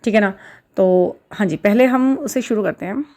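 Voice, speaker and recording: A middle-aged woman runs a spiritual guidance channel and talks to her viewers in a casual, reassuring way. Her voice is warm and medium-pitched at a normal pace, and she repeats words for emphasis while mixing English terms into her Hindi.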